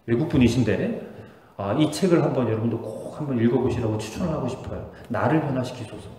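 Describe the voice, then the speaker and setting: A male pastor preaching a sermon in a church sanctuary, his fairly high voice leaping up in emphasis and sinking to near whispers. Everything rings out with a long, roomy hall reverb. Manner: earnest preaching with emphatic rises and soft drops.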